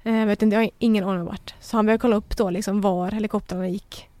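A woman's voice: medium pitch, dry recording. A woman guest telling a personal story in casual chat, acting out the people she quotes. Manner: lively retelling, acts out quoted voices. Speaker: podcast guest.

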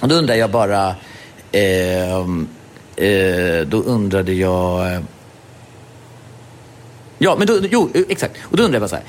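A man co-hosting a podcast in loose, casual chat. He rambles, swears freely and acts out little scenes. His pitch swings widely, and a faint background hum sits under his voice. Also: animated, pauses often. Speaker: podcast co-host.

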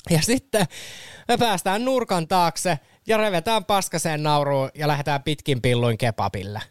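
A young man from Finland, co-hosting a podcast, telling a story in a lively, swear-filled casual chat with lots of fillers. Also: high voice, clean tone, dry recording, clean studio sound. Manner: animated, swearing, many fillers. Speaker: podcast co-host.

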